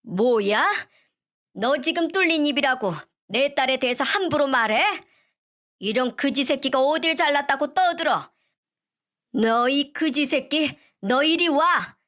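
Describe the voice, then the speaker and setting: A woman voicing a rude, hot-tempered older father-in-law who shouts and insults in a read-aloud family story. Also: high-pitched, measured pace, voice pushed up. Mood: enraged.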